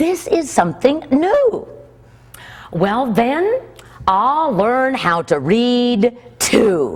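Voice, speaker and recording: Putting on a growling character voice, a woman speaks at a high pitch and a very slow pace with long, frequent pauses. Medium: read story.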